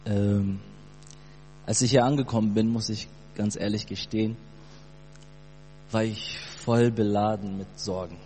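A man's voice: lowish voice, fairly even intonation, a little mellow. Young guy from brazil preaching testimony, earnest, lots of ums, reverby church hall. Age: 20s. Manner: earnest, fervent, halting with many fillers. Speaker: church speaker giving testimony. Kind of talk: sermon testimony. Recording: long hall reverb, mains hum.

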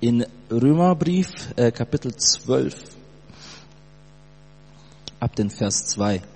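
A Brazilian-born man in his late twenties giving a fervent church testimony, halting often with fillers. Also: medium pitch, animated, vocal fry, a little mellow. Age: 20s. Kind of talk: sermon testimony. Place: church hall. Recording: long hall reverb, mains hum.

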